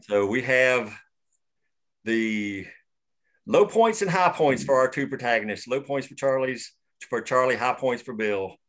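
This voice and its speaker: A man's voice: mid-range voice, animated, unhurried, a bit bright. A man hosting a script table read, casually explaining the story and its history, with many restarts. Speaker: writer and host of the table read.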